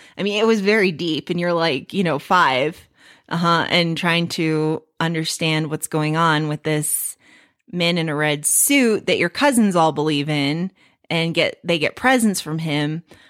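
A woman with an American accent uses an ordinary speaking voice, fairly low in pitch with ordinary pitch variation. She goes at a fairly slow pace in a very clean recording with a silent background. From US Midwest, Chicago area. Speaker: podcast host, former cult member. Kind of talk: casual chat.

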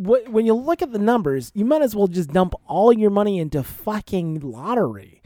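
The delivery moves at a moderate pace with hardly any pauses. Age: 30s. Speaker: podcast co-host. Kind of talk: casual chat.

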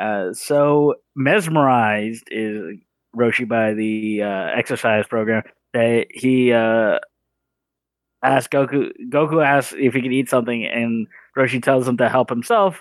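Speaking at a fairly slow pace with an American accent, a man with an unremarkable speaking voice keeps a medium pitch and ordinary pitch variation. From New York City, the Bronx. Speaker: podcast co-host. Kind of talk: episode recap narration.

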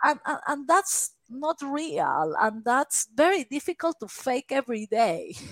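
A woman's high voice in a Peruvian accent, fairly slow yet with hardly any pauses, very wide pitch swings and a dry, close sound with no echo. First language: Spanish. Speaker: physician and author. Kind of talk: interview. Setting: video call.

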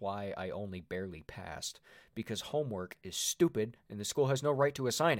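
Over a very clean recording with a silent background, a man speaks at a fairly quick pace in a fairly low pitch. He has an unremarkable speaking voice with lively intonation. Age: 20s. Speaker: podcast co-host. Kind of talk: casual chat.

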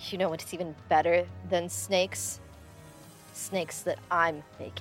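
In a put-on character voice at a middle pitch, the speaker goes at a moderate pace with hissing and clear background noise. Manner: hissing, menacing.

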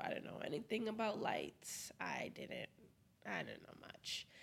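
A woman is speaking. She is whispering. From Brockton, Massachusetts. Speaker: photographer. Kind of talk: casual interview.

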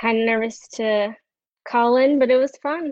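A woman has an unremarkable speaking voice with a fairly high pitch and fairly even intonation. She speaks fairly slowly in a dry, close sound with no echo. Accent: American. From Austin, Texas.

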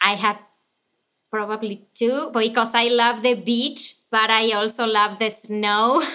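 A woman with a Spanish accent and a fairly high pitch speaks at a very slow pace in a bright, sharp tone with fairly even intonation. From Argentina, Buenos Aires. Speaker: children's music video creator. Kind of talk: interview.

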